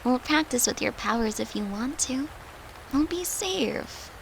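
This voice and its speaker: A woman's voice: sits high, animated, a little slow, slight background noise, full character voice, low-quality recording. A woman playing a devoted, playful and protective human girlfriend in an intimate comfort audio roleplay, speaking in a tender, soothing, coaxing way. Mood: gentle reassurance. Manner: tender, soothing, coaxing, slipping into breathy murmurs.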